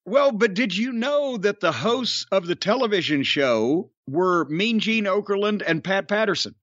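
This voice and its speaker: A man's voice: high-pitched, lively intonation, unhurried, fairly bright tone, no echo, lo-fi sound. A middle-aged man, hosting a wrestling podcast, drawling and storytelling as he quizzes his co-host. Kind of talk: casual wrestling podcast chat.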